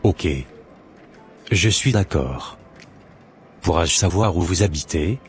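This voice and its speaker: A man voicing a serious young Christian suitor in an animated film, speaking in a formal, earnest way. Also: low voice, takes it slowly, faint music behind.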